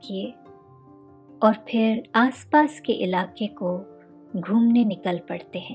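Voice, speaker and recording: Music plays in the background as a woman speaks in a soothing, calm tone. Her pitch is fairly high, with ordinary variation. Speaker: sleep story narrator / voice over artist. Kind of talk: sleep story narration. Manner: slow, soothing, calm.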